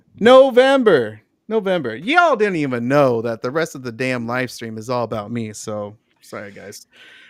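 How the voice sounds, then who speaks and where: A man's medium-pitched voice with lively intonation, a moderate pace and big swings in loudness. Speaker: horror panelist. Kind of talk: casual panel chat. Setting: live stream. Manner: animated.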